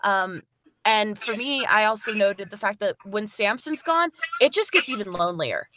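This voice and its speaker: A woman's voice: medium pitch, animated, normal speed, pushed and bright, a little hiss or hum. A woman, the narrator of the story, talking thoughtfully about it in a casual podcast discussion.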